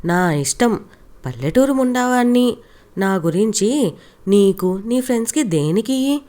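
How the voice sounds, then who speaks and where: A woman voicing a quick-tempered old village father-in-law who shouts rudely and defiantly. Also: mid-range voice, lively intonation, close to an everyday voice. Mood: angry.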